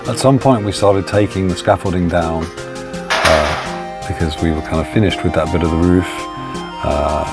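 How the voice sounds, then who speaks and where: A hoarse man narrating his building vlog in a relaxed, halting way with lots of "uh". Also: low voice. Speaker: vlogger. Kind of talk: casual narration. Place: home studio. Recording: voice-over with music bed. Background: music.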